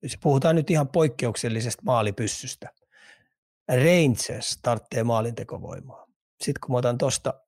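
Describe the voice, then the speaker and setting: A man's voice: medium pitch, darkish tone, dry recording, clean studio sound. A man co-hosting a casual sports podcast, speculating at length and repeating words while he thinks. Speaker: podcast co-host, hockey analyst.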